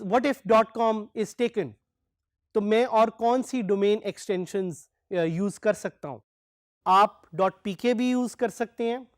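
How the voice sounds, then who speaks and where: A man giving a recorded online lecture, switching between Urdu and English and slowing down to stress key terms. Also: high voice, dry recording, clean studio sound. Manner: mixes English phrases into Urdu explanations. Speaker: course instructor.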